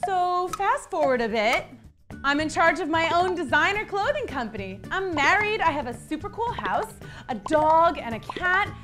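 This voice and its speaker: Female children's storyteller: high, very lively, playful and theatrical, comic asides, music bed. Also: moderate pace. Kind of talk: animated first-person fairytale narration. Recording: music behind the voice.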